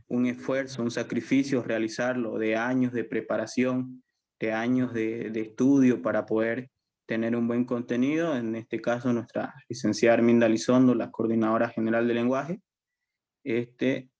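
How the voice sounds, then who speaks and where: A man's voice: medium pitch, a little mellow. Patient Bolivian man teaching a class. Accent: Bolivian Spanish. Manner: patient, repetitive, checks understanding often. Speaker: university language teacher. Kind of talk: online class lecture.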